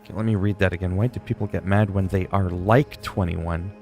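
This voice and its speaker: A man's voice: sits low, steady tone, fairly quick, a little mellow, faint music behind. A man in his forties chatting casually on a livestream, reading viewers' messages aloud and answering them in a rambling way. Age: 40s.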